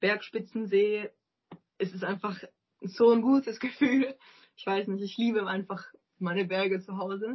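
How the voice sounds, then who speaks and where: The voice is somewhat breathy, and the intonation stays fairly even. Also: woman. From Austria, Tyrol (Innsbruck). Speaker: professional football goalkeeper. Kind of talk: interview.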